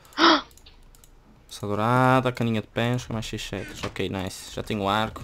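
A man talks at a medium pitch and a fairly slow pace, his intonation flat and monotone. Long pauses come often. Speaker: gaming youtuber. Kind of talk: gameplay commentary. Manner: calmer, not shouting.

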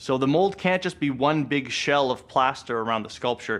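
A man's fairly quick speech with lively intonation. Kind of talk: tutorial. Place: studio.

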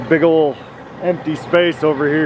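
A man talks at a moderate pace. The sound is dry with no echo, but background noise is noticeable. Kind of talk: casual vlog chat. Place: open country. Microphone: phone near.

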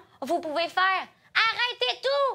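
Using a raised, projected voice, a woman with a Quebec accent speaks at a fairly slow pace with very wide pitch swings. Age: 20s. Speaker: comedian. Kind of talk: comedic sketch. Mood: playful sarcastic humour. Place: studio.

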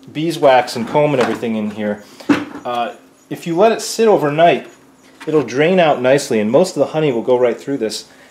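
The man's intonation is lively. He keeps to a moderate pace. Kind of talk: tutorial. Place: garage.

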